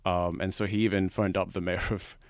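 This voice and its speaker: Deep-voiced Australian man, news reporter. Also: level tone, brisk, dry recording, clean studio sound. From Brisbane, Australia. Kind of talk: podcast discussion and article reading.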